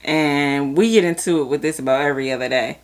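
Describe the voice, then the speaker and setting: A woman's voice: low-pitched, quick pace. A young woman co-hosting a podcast, chatting casually in slangy, blunt speech with swearing and frequent laughter. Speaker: podcast co-host. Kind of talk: casual chat.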